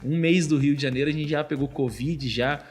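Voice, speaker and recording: A man in his thirties, a podcast guest, telling a personal faith story in casual chat, animated and full of filler words. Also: a little high, brisk. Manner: animated storytelling, constantly says "cara".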